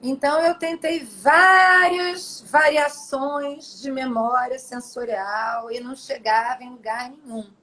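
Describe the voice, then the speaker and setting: A middle-aged actress chatting as an interview guest, telling her stories in an animated, expressive way. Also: high voice, slow pace, hardly any pauses, slight background noise, rough recording. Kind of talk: casual storytelling interview.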